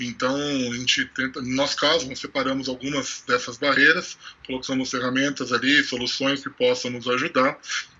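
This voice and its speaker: An ordinary speaking voice at a moderate pace. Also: man. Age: 40s. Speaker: cybersecurity executive. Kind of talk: casual chat. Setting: remote recording.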